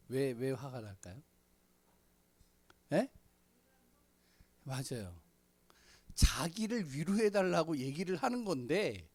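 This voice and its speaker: Middle-aged guy preaching a sermon, lively up-and-down voice, clears his throat a lot, casual talky style. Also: medium pitch. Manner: conversational, with frequent fillers and throat clearing. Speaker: pastor. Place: church sanctuary.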